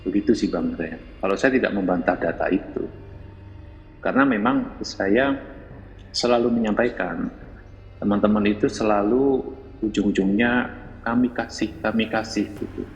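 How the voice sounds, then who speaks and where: A man making measured, formal arguments in an online religious debate. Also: on the low side, very animated, in a large hall, muffled recording, slight background noise. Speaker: debate participant.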